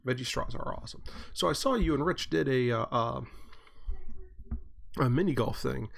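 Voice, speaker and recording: Stuffy, gravelly-voiced man chatting casually. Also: mid-range voice, moderate pace. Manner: rambling, with many fillers and restarts. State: stuffy and sniffly. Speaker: host. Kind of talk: casual live-stream chat.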